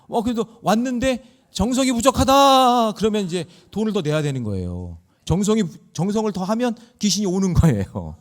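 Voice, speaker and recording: A man's voice: high-pitched, huge pitch swings, brisk, few pauses, dark tone. A man preaching a sermon in church, acting out scenes and exhorting the congregation. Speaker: pastor. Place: church sanctuary.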